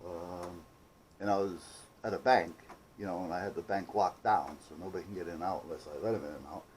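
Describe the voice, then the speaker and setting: Low, mellow-voiced man telling stories casually. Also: fairly even intonation, fairly quick, a little hiss or hum, poor audio. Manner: folksy, salty-tongued, conversational. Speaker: DIY vlogger. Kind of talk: casual rambling storytelling.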